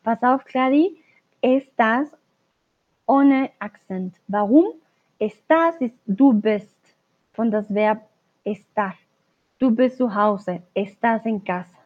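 During a live online Spanish lesson, a woman with a slightly high voice reads out answers from viewers' chat at a slow pace and patiently corrects them, sometimes switching to English or German to explain. Sound is tinny, narrow-band stream audio.

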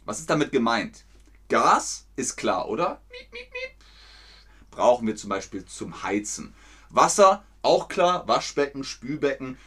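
A man giving an online German lesson, explaining phrases in a playful, unhurried way. His bright voice swings widely in pitch. Now and then he throws in silly sound effects. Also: very animated, husky. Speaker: German teacher.

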